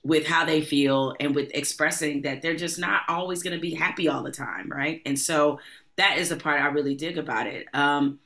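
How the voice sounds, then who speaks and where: Middle-aged host with a bright voice. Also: female voice, sits low. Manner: conversational, measured questions. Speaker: podcast host. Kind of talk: interview. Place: home room with bookshelves. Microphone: studio podcast mic close up.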